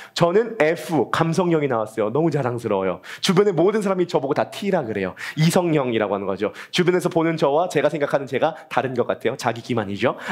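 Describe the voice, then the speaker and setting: A man speaks in an animated tone at a very fast pace, his pitch fairly high with very wide swings. Vocal fry runs through his voice. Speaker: preacher. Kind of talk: sermon.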